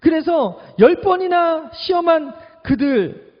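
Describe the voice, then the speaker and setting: A high-voiced male pastor delivering a sermon in a church sanctuary. He drops to soft, confiding tones, then rises into loud, urgent preaching. The sound is muffled and rings with long reverb. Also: lively intonation, a little slow. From Korea.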